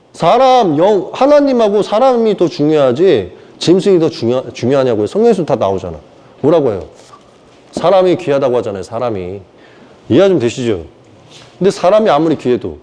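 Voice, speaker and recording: A man delivers an informal sermon lecture in a rambling, mocking way. His voice sits high and swings widely in pitch. He often slips into acted-out voices for the people he quotes. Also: warm tone. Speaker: preacher.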